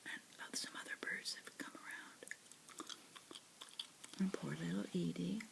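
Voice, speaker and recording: A woman reads a picture book aloud in a hushed ASMR whisper, lingering fondly over each picture. Her low voice carries a gravelly fry, and she sounds unhurried and gentle throughout. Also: steady tone. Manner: slow, soft, doting commentary on the pictures.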